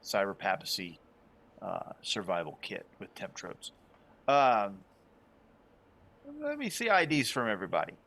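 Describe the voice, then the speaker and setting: A man's voice: lowish voice, sing-song, measured pace, vocal fry, long pauses, a bit bright. A man running a tabletop role-playing game as game master, narrating and chatting casually.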